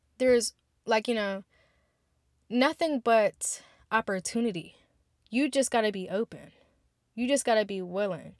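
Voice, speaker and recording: A woman speaks at a moderate pace with a fairly high pitch, ordinary pitch variation, and long, frequent pauses. The recording is very clean, with a silent background and a dry, close sound with no echo. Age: 20s. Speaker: podcast host. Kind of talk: casual monologue. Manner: informal, filler-heavy.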